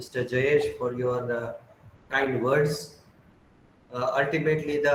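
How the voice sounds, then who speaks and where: Monotone, flat speech at a moderate pace, with audible room echo. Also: man. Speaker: professor. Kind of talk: lecture. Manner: halting, many uh fillers; mixes Hindi and English.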